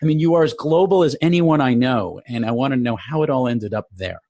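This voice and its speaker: A man's voice: medium pitch, fairly quick, dark tone. Casual male podcast host. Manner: casual, restarts and repeats words. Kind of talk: podcast interview.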